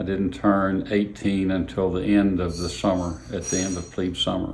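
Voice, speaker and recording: A man with a Tennessee accent, very deep and low in pitch, monotone and flat at a moderate pace, with audible room echo and noticeable background noise. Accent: US Southern (Tennessee). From Tennessee, Murfreesboro area. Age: 70s. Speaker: retired naval officer. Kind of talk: interview testimony. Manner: halting, many fillers.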